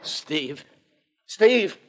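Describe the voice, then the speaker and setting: A man's voice: a little high, sing-song, very slow, fairly bright tone, faint music behind, heavily acted. An actor playing a terrified, guilt-haunted, weak-willed henchman in old radio melodrama, stammering and pleading. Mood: panicky pleading. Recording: old radio recording with hiss.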